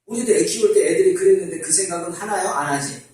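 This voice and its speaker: A middle-aged man preaching a sermon as pastor, talking in a lively, conversational way and asking the congregation questions. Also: high-pitched, quick pace. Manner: animated, conversational, asks the congregation rhetorical questions. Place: church sanctuary. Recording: very echoey church hall from far off.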